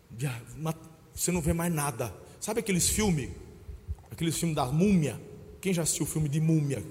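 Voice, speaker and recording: A Brazilian man preaching a sermon, telling stories and calling his listeners brother, swinging between hushed moments and loud shouts. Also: on the high side, expressive, normal speed, pauses often, long reverb tail. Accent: Brazilian Portuguese. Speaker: pastor.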